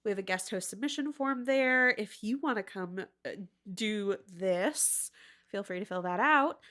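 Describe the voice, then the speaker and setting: A woman with a bright, crisp-edged voice hosts a casual podcast. She talks playfully and likes a joke, in an easy conversational style at a middle pitch. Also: animated, measured pace. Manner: playful, jokey. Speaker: podcast co-host.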